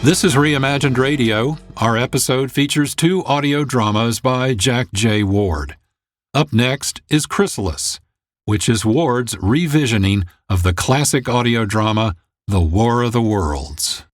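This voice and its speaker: Brief: male host reading scripted intros; dry, close, even. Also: medium pitch, measured pace, dry recording. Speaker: podcast host.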